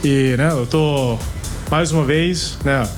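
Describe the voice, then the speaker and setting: An American-accented man talks with a voice pitched a little high. He pauses often with fillers and restarts. Faint music plays behind him. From United States. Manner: hesitant, many fillers and restarts. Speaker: chef, restaurant owner. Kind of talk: casual interview.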